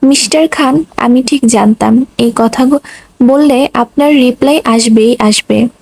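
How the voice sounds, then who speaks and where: A woman's voice: a little high, measured pace, vocal fry, a little mellow, no echo. A woman reading as a tearful lovesick young woman. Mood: pleading. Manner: pleading, sulky. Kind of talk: audiobook reading.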